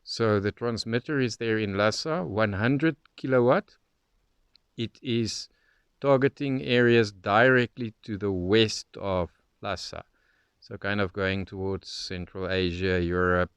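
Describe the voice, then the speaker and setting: A man with a fairly low, clean and smooth voice narrates in an informal, explanatory way. The sound is dry and close, like a hobbyist talking through a demonstration. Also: measured pace, fairly bright tone, no echo. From South Africa. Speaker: shortwave radio hobbyist narrator.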